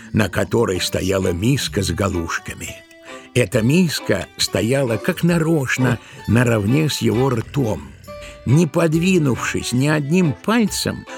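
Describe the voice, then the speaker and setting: A man narrating a tale for an audio play in an expressive, measured storytelling manner. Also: medium pitch, gravelly.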